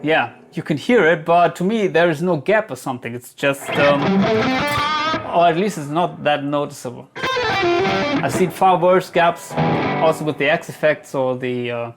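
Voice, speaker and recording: Hesitant, higher-voiced man reviewing guitar gear. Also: lively intonation, creaky. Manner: hesitant, halting, thinking aloud. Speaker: guitar gear reviewer answering viewer questions. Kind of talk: casual product Q&A talk.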